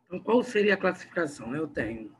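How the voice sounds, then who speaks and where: A Brazilian male teacher with a fairly high voice walks through a grammar lesson, checking in with his class as he goes. He explains patiently and keeps a conversational tone. A faint hiss of background noise sits under the recording. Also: big pitch swings, quick pace. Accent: Brazilian Portuguese.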